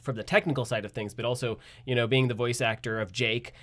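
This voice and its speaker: A man's voice: medium pitch, fairly even intonation, fast, a bit bright. A man who works as a voice actor and technician, chatting casually and hesitantly, searching for his words. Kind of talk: casual interview chat.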